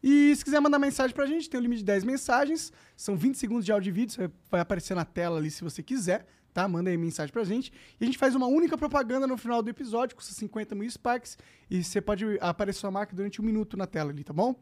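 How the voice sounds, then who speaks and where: A man hosting a podcast, briskly reading out a promotion. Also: high voice. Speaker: podcast host. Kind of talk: reading an ad plug.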